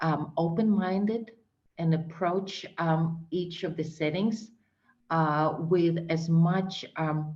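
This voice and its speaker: The speech comes at a very slow pace in a Russian accent. It sounds somewhat breathy, with fairly even intonation. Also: woman, fairly low pitch for a woman. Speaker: international relations coordinator, army veteran. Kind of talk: Q and A answer. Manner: hesitant, many fillers.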